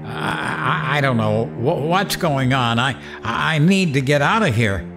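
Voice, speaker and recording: A middle-aged man narrates a horror audio drama in fear. He speaks slowly and dramatically at a middling pitch, over faint music. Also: lively intonation. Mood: panicked, stunned. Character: terrified late-night radio host narrating his horror ordeal.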